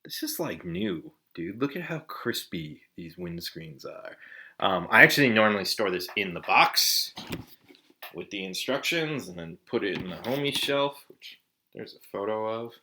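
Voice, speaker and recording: A man's voice: fairly low pitch, sing-song, a little slow, pushed and bright, a little hiss or hum. A man in his forties from Southern California, chatting casually to camera as a vlog host, laid-back and swearing often with lots of "like" and "dude". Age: 40s.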